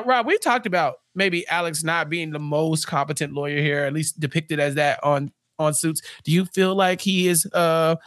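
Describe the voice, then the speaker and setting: Male podcast co-host, animated TV recap, higher bright voice, dry close sound. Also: no room sound. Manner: animated, acts out characters' lines. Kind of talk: casual TV recap chat.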